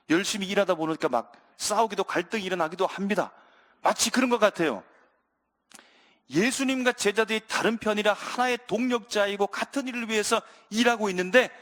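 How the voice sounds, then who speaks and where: A male pastor preaching a sermon in a church, animated, questioning his congregation and acting out scenes. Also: sits high. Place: church sanctuary. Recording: reverberant church sanctuary.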